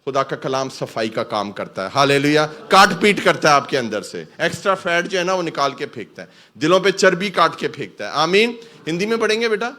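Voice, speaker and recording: Bright, fervent preaching pastor. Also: male voice, fairly high pitch, lively intonation, few pauses. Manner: fervent, calls out hallelujah and asks the church to repeat; mixes in English words. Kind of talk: sermon.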